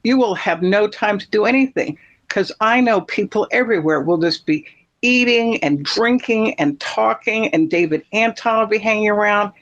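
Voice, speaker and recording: A man's voice: high-pitched, a bit bright. A man from Texas, chatting in an opinionated, rambling, emphatic way. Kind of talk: casual chat. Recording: muffled lo-fi sound.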